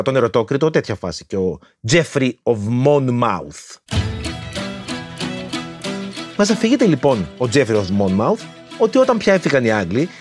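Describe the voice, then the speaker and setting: Animated man explaining history jokingly. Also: medium pitch. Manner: playful, slangy, jumps between asides. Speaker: history video host.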